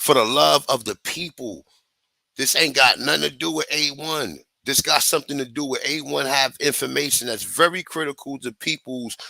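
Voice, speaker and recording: This man talks at a moderate pace in a fairly high pitch, with vocal fry, ordinary pitch variation, and a dry, close sound with no echo. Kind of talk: heated livestream rant. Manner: stutter; animated.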